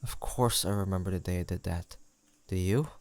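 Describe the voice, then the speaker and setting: A young man playing a sentimental, teasing longtime best friend in an intimate audio roleplay, pausing for an unheard listener. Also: low-pitched, dry recording. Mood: nostalgic, fond. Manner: soft-hearted, playful banter with pauses for an unheard listener.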